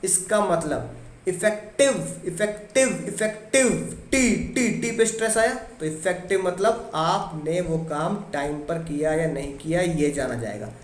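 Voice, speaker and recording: A male teacher giving an energetic exam-prep lecture, repeating key words and answering himself in a lower voice for his students. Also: a little slow, reverberant.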